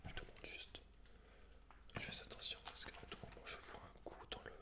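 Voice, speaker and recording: A man whispering breathily as an ASMR host, reading aloud and chatting informally to the listener. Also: normal speed. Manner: informal, addresses the listener directly as a friend.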